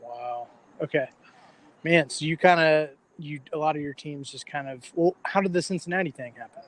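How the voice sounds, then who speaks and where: A man's voice: a little high, moderate pace. A young American man in his twenties from Florida, hosting a casual podcast chat and interviewing a guest. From Florida, United States.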